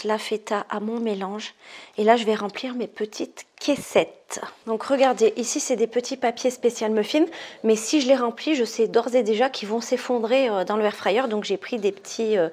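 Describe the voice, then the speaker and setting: A woman's voice: medium pitch, a little mellow, slightly rough. A woman hosting a casual cooking video, chatty and self-amused, often dropping her voice to a murmur.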